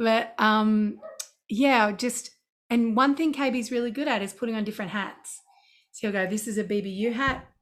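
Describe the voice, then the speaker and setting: With an Australian accent, a woman talks at a moderate pace in an animated tone. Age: 40s. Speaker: singer-songwriter. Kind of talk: casual chat.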